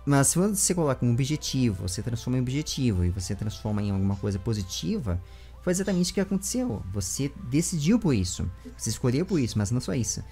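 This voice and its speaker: Animated young Brazilian man hosting an interview. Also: mid-range voice, fast, soft background music. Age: 20s. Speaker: interviewer and show host. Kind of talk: casual conversational interview. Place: small room with bookshelves at home. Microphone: large desk microphone with foam windscreen, close.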